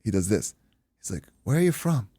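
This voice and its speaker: A man from Iraq, a boxing coach and guest, telling an animated story in casual chat, acting out quotes and swearing freely. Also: on the low side, brisk, breathy edge, no echo, studio quality.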